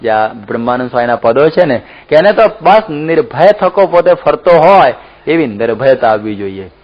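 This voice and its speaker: A man's voice: mid-range voice, expressive, normal speed, lo-fi sound. A man giving a religious discourse as a preacher, telling stories with acted-out quotes and laughs.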